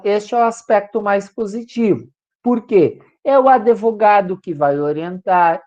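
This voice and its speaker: A man's voice: high voice, darkish tone. A male law professor with a Brazilian Portuguese accent, giving a classroom lecture and checking in with students after nearly every point. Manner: checks in constantly with "tá, gente?" tag questions.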